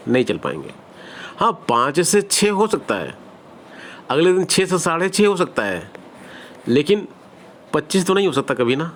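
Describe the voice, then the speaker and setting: A man's voice: a little high, a little hiss or hum. Man teaching exam-prep tips with a Hindi accent. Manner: direct, conversational, uses everyday examples. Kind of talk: motivational exam advice to students.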